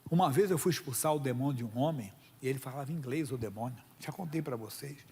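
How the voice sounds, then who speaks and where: A man's voice: mid-range voice, fast talker, mellow, big-room sound, slight background noise. A man with a Brazilian Portuguese accent preaching a sermon at a church service, emphatic and folksy, often calling listeners brother. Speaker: pastor.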